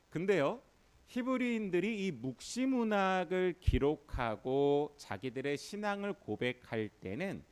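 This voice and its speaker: A male pastor delivers a Sunday sermon in a church sanctuary. His pitch rises and falls freely as he talks, and he coaxes the congregation into repeating lines back to him. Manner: lively, leads the congregation in call-and-response. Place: church sanctuary during worship.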